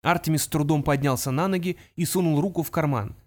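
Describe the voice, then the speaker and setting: Guy reading an audiobook, kinda higher voice, dramatic steady storytelling. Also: fast. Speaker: narrator. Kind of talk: audiobook narration.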